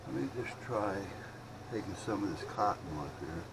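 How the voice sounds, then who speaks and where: A man chatting casually and rambling as he thinks out loud while doing hobby radio repair. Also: lowish voice, animated, normal speed. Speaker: hobbyist radio repairer showing his work. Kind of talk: casual unscripted vlog chat while working. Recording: clearly noisy hobby video recording.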